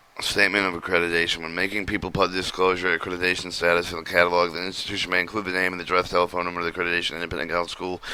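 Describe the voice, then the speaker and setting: Noticeable background noise sits behind a man with a very deep, low pitch. He speaks very fast in a monotone, flat way with hardly any pauses. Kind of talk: reading aloud. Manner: loud.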